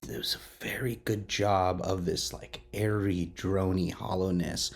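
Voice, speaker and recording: A man's voice: low voice, steady tone, a little slow, vocal fry. A man hosting a casual roundtable chat, talking in an effusive, rambling, enthusiastic way. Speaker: host interviewing podcast creators.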